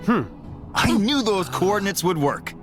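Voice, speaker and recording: An actor playing an analytical, self-assured scientist superhero in a video game cutscene. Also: male voice, high voice, animated, a little slow. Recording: loud music under the voice.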